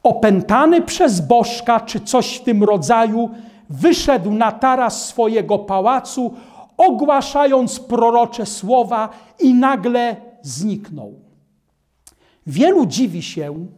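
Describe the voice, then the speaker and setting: A man in his sixties giving a Bible study lecture as a preacher, explaining in a measured way in a studio. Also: high-pitched, a little mellow. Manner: slow, measured, explanatory delivery. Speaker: Adventist preacher. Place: studio in front of a painted backdrop.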